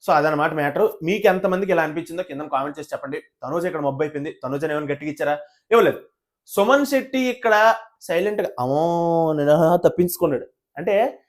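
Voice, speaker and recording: A man giving an animated opinion review of a reality show, indignant and full of rhetorical questions. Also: sits high.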